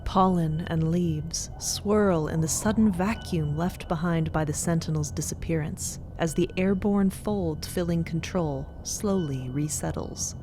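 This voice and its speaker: A woman giving grave, deliberate scripted narration for a fantasy audio drama. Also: low-pitched, mellow, a little hiss or hum.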